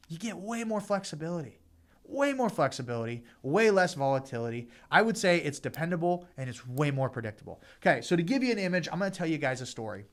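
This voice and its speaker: Male finance host, conversational explainer, fillers and repeats for emphasis, slightly high. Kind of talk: casual explainer talk.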